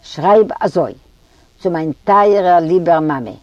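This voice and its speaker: A woman voicing a brash, hot-tempered young male thief, blustering and dictating slowly and loudly in an audiobook reading. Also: sits low, no echo. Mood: boastful. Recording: dull lo-fi audio.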